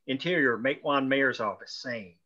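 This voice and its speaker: A man reads screenplay directions as a narrator. His voice is medium in pitch. The recording sounds dull and lo-fi. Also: moderate pace, sharp tone. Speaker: reader of stage directions. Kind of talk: scripted narration.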